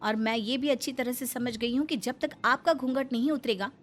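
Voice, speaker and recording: An outspoken young daughter-in-law in a cartoon, as a woman acts her out, with a fairly high voice. She pushes back firmly, over a faint hiss. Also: fairly quick, lightly acted. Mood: pleading. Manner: pleading, defiant.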